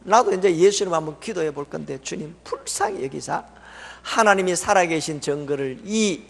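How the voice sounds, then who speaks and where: A middle-aged male revival preacher, his fairly high voice leaping up and down in pitch. He tells the story with laughter, jumping from loud cries to near-hushed asides. His voice carries a long reverb from a church sanctuary. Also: moderate pace, vocal fry. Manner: animated, laughing, swings from loud exclamations to hushed tones.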